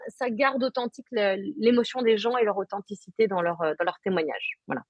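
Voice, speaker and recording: A woman's voice: mid-range voice, fairly quick, husky, dry recording, dull audio. A woman speaking as a medium guest in a live online interview, earnest and explanatory, often hesitating with fillers and restarts.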